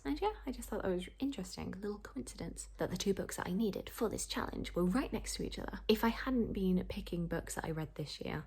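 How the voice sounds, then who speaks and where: A woman's voice: lowish voice, a little mellow, slightly rough. A young woman chatting casually to camera as a book vlogger, in a rambling, self-deprecating way.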